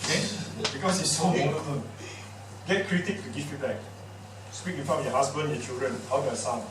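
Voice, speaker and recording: A man with a Singaporean English accent runs a lively speaking workshop, his fairly high voice bouncing with playful energy as he quizzes and teases the crowd. He is heard from across a very echoey room, with steady background noise. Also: brisk, recorded from a distance. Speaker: public speaking trainer. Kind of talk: lively workshop talk to an audience.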